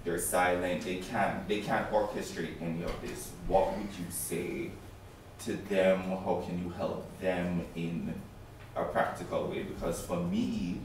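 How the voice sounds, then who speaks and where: A man's voice: low-pitched, steady tone, a little slow, a little hiss or hum. A man in the audience asking a probing question at a press conference. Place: press club conference room. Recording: distant, very echoey room mic.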